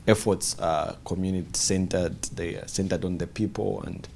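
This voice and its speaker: A man's voice: low-pitched, steady tone, normal speed, creaky, a little mellow, a little hiss or hum. A man offering tentative, thoughtful remarks as a participant in a group discussion. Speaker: fellowship participant.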